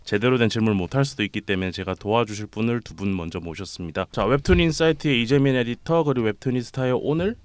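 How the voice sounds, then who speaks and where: A man hosting a casual interview podcast, playful and quick to laugh, his voice a little off from a cold. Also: medium pitch, dry recording. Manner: playful, laughs often, teasing. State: has a cold, voice slightly off. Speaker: podcast host.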